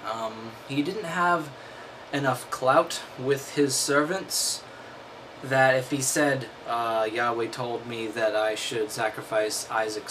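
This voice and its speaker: A man's voice: mid-range voice, sharp tone, slight background noise, poor audio. A man reading aloud and breaking off into wry, mocking commentary. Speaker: host.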